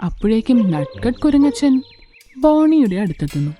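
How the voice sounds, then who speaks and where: A woman's voice: on the high side, sing-song, normal speed, dark tone, faint music behind. A woman narrating a children's story as a scripted storyteller.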